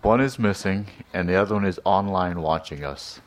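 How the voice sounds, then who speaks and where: A man's voice: low-pitched, moderate pace. A man chairing a public hearing, calling on speakers with short prompts. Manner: calls on speakers, brief prompts. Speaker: meeting chair.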